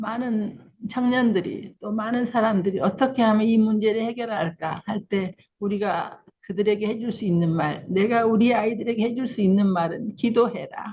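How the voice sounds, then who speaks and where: Her pitch sits fairly high and varies in an ordinary way. The woman speaks at a moderate pace with a somewhat breathy quality. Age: 60s. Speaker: church deacon. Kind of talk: testimony.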